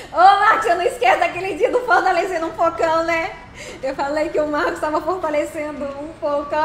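A woman's voice: extremely high pitch, fairly bright tone, roomy sound. A woman hosting a casual live stream while playing a game, chatty and thanking viewers by name.

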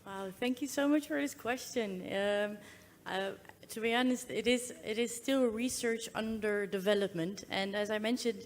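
A woman presenter answering a question at a conference in an eager, informal, slightly halting way. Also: mid-range voice, a little hiss or hum. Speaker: exhibition presenter. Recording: reverberant hall.

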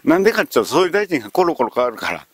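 Brief: male history lecturer, very lively pitch, close dry sound, storytelling delivery. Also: rapid-fire, slightly rough, no room sound. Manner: animated, acts out quotes.

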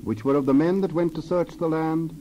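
A man's voice: a little high, steady tone, fairly quick, warm tone. A man narrating a dramatized Bible reading in a solemn, formal, scripted manner. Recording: dull sound, faint noise, birdsong behind.

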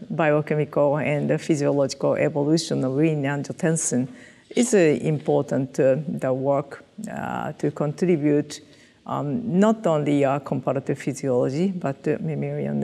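A woman's voice: sits low, vocal fry, dark tone, big-room sound. An older woman with a Japanese accent, speaking English as a second language in an oral history interview, hesitant with many fillers and restarts, recorded on a headset mic in a studio. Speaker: interviewee, physiologist. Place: dark studio set, indoors.

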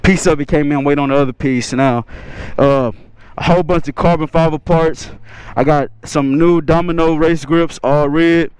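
A man's voice: a little high, steady tone, moderate pace, a little mellow, smooth, no room sound, poor audio. A man talking casually to his viewers in a slangy, laid-back way, recorded while riding a motorcycle. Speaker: motovlogger. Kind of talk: casual motovlog talk to viewers. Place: riding a motorcycle outdoors on city streets. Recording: faint road and traffic noise.

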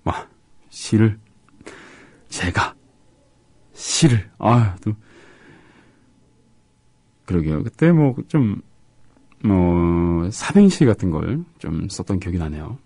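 A man co-hosting a radio show, chatting casually and reading listener comments in a halting, soft-spoken way with gaps between his words. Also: low voice, big pitch swings, gravelly, slightly rough, no room sound.

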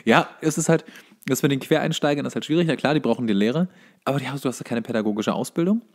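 A man's voice: mid-range voice, fast talker. A young man chatting casually as a podcast co-host, colloquial and opinionated. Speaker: podcast co-host and workshop teacher.

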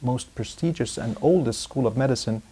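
A man in his forties, born in Egypt, speaking in a calm, even-pitched voice as a guest in an interview. He talks in a measured, thoughtful way and often restarts his sentences. He is recorded close on a lapel mic in a quiet room with curtains. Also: slight background noise. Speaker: urologist guest. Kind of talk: interview conversation.

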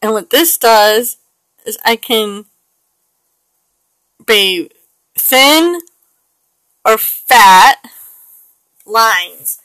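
A woman in her late forties chats and rambles as she works on a digital painting, laughing often. Her voice sits a little high and bright. The sound is dry and close. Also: drawn-out words, long pauses, no room sound, rough recording. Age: 40s. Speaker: digital artist. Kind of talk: casual chat while painting on screen.

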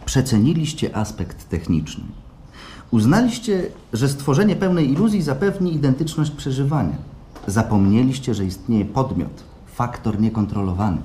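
An actor in a radio play playing a weary, reflective client, polite and quietly bitter, speaking in a measured way. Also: male voice, mid-range voice, very animated, lightly acted. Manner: measured, reserved, thoughtful. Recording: faint background noise, live stage.

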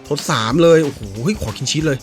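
Soft background music accompanies a gaming YouTuber's fast, excitable commentary on a football video game. He swears at the game in a casual way, his voice ranging from low mumbles up to high yelps.

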